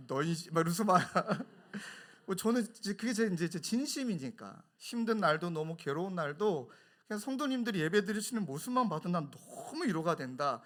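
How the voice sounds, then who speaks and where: Male pastor, thirties, lively storytelling sermon, slightly high voice, acts out quoted friends.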